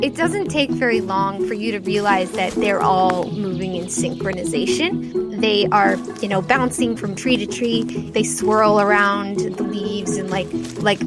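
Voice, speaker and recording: A woman game master improvising narration for a tabletop roleplaying game in a conversational, descriptive way, pausing often as she sets the scene. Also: mid-range voice. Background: music.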